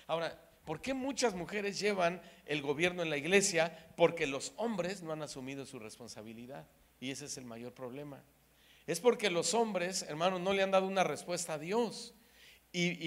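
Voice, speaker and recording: A man from Mexico preaching a sermon, swinging between loud emphasis and hushed asides and acting out the voices in his stories. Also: fairly high pitch.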